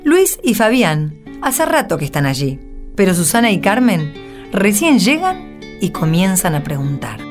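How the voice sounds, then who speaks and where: A woman's voice: mid-range voice, sing-song, measured pace. A woman narrating a dramatized radio story from a script. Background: music.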